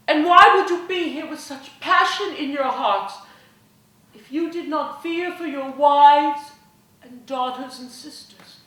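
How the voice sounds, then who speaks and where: A woman playing an earnest, gentle woman abolitionist who speaks in measured, pleading oratory, in an echoey hall. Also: sits high, recorded from a distance, full character voice. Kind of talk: one-woman historical storytelling performance. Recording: echoey hall, faint room noise.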